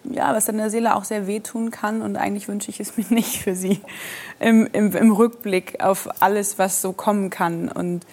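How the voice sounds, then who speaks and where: Woman in her forties, earnest talk-show guest, mid pitch, thoughtful. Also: fairly even intonation, moderate pace, a little mellow. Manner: earnest, reflective, searching for words. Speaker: guest singer.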